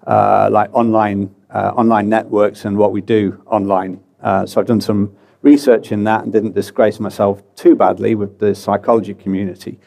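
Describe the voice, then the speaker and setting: British man, low mellow voice. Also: vocal fry. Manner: relaxed, chatty, many fillers and self-deprecating asides. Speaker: conference speaker. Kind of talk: presenting a conference talk. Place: conference hall.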